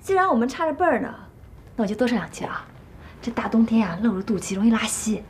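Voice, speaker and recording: A sharp-tongued, fed-up woman. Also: fairly high pitch, very animated, fast, a little hiss or hum. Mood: annoyed, sarcastic. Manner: sharp, sarcastic scolding. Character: exasperated woman sharing flat with drunk friend. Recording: clear background music.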